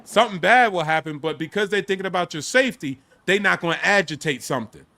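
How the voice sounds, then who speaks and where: High, bright, animated male storyteller. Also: quick pace, creaky. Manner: animated, boastful, slangy storyteller. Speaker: host. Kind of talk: casual storytelling chat.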